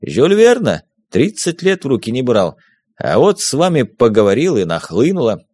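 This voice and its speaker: A man's voice: mid-range voice, huge pitch swings, moderate pace, darkish tone, slightly rough, no room sound. A man voicing a jovial smuggler captain. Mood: cheerful. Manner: teasing, confident. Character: jovial middle-aged male German smuggler captain.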